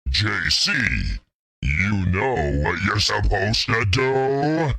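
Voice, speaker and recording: A podcast host voicing a menacing male demon through a layered echo effect, speaking in a slow, drawn-out way. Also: on the low side, very animated, creaky, bright, forceful tone, full character voice.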